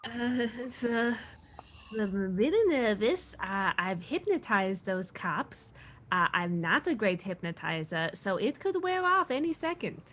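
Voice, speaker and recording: A woman playing a nervous, evasive male vampire housemate in a comedy table read, hesitant and halting. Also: mid-range voice, very animated, a bit bright.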